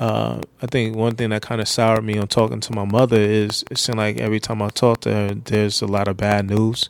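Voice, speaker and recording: A man speaks with a New York accent. His intonation is monotone and flat. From Long Island, New York. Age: 40s. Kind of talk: casual conversation.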